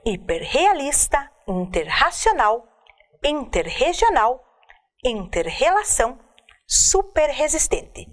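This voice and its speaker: A woman narrates a recorded lesson at an unhurried pace, setting each example word apart. Her voice sits a little high and swings widely in pitch as she reads. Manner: slow, deliberate reading of word lists. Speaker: teacher. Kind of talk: scripted lecture narration.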